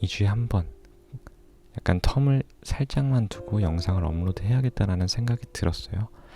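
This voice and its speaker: A man talks at a moderate pace with a fairly low pitch and ordinary pitch variation. Music sits in the background. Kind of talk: casual ASMR talk to camera. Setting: studio.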